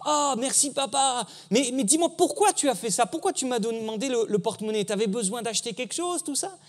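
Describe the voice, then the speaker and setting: A man's voice: very high-pitched, expressive, fairly quick. A man voicing a curious, trusting little girl in a story he tells in a sermon. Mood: delighted, curious.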